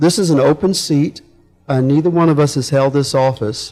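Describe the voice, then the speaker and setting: A man's fairly high voice with fairly even intonation, over music in the background. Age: 60s. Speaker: political candidate. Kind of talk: candidate forum closing statement.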